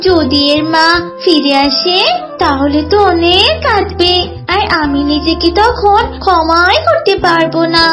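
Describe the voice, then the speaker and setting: A woman voicing gentle, motherly talking animals in a children's cartoon, with an expressive sing-song delivery. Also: very high-pitched, unhurried, over music.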